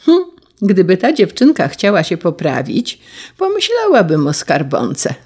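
A woman's voice: lowish voice, huge pitch swings, unhurried, darkish tone, breathy edge, exaggerated voice. A woman voicing a teasing old grandmother in a read-aloud storybook.

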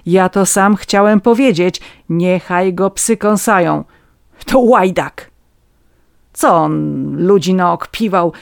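A reader voicing a fawning, red-nosed petty scribe, a man who begs for vodka and wheedles his listeners in a high, eager voice. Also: takes it slowly, clear, resonant tone, no room sound, studio quality. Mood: wheedling. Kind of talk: audiobook reading.

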